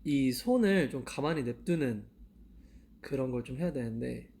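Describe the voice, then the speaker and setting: A man's voice: medium pitch, animated, moderate pace, creaky, a little mellow, slight background noise. A young man in his twenties chatting casually to fans on a live stream, laughing often and asking himself questions aloud. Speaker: idol live-stream host. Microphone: handheld mic.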